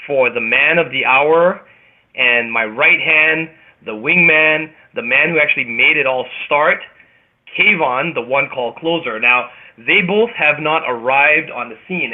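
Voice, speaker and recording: A man with a Canadian accent hosting a motivational group conference call, speaking emphatically and theatrically with dramatic pauses. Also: a little high. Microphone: phone or web conference call. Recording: tinny phone-line radio sound.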